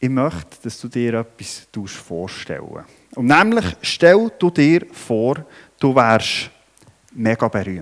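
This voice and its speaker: The man speaks at a very slow pace and a medium pitch. His pitch swings very widely. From Switzerland, Emmental region (Burgdorf). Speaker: guest preacher, former farmer. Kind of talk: sermon. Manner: hesitant, many fillers.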